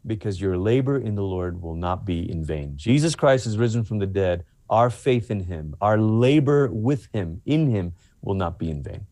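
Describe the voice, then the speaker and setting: Man from Malaysia, low voice, heartfelt guest talk, dry sound. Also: expressive, normal speed, hardly any pauses, mellow, dry recording. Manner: heartfelt, repeats himself while building a point. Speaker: pastor and author, guest. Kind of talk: earnest interview talk.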